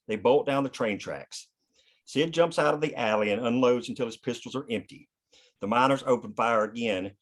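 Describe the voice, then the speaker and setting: A man narrating scripted action and scene headings at a screenplay table read. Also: medium pitch. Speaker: narrator reading stage directions.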